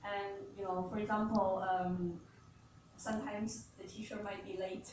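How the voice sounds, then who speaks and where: A company spokeswoman fields press questions and often pauses to find her words. Her mid-pitched voice comes from a distance in a strongly reverberant hall. Clear ambient noise sits under her speech. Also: flat delivery. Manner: hesitant, searches for words. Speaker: company representative. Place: large event hall.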